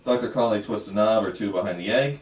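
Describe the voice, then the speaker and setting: A man's voice: on the low side, fast talker. A man leading a script table read as filmmaker, talking casually and reading out stage directions. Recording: roomy, distant, faint background noise.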